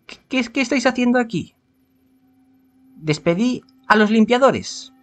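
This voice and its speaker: A man's voice: very high voice, animated, moderate pace, a bit bright, soft background music, voice pushed up. A man voicing a flustered, haughty moonfolk woman scientist for a visual novel. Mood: startled, irritated. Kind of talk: improvised visual novel character voice.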